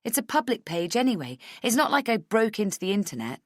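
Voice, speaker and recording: A woman's voice: medium pitch, big pitch swings, quick pace, no room sound, voice pushed up. Female podcaster, as a narrator plays her, insistent, defensive, argumentative, audiobook dialogue, close dry sound. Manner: pleading, argumentative. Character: insistent, defensive woman podcaster, quick to argue.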